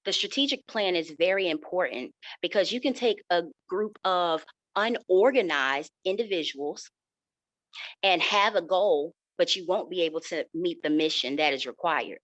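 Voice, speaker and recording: A woman answering candidate questions in a formal, measured way, repeating set phrases. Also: lowish voice, fairly bright tone, dry recording, muffled recording. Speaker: board candidate.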